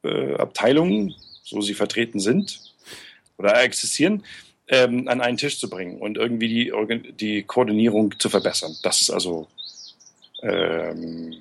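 A man's voice: fairly low pitch, moderate pace, vocal fry, husky. A man working for an aid group, answering interview questions casually, hesitant, with many fillers and restarts. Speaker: aid worker being interviewed.

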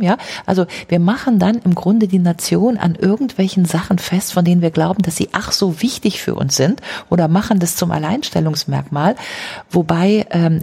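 A woman author as an interview guest, explaining her ideas at length with tag questions and fillers, her pitch jumping on emphasis. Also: creaky, mellow, husky. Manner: talks in long runs, often adds tag questions and fillers.

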